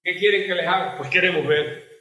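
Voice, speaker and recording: A high-pitched, sharply bright man preaches with fiery passion, crying out and shouting in his sermon. His voice carries a long hall reverb from the church. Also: a little fast, a little hiss or hum. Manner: impassioned preaching, shouting out biblical cries. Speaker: pastor.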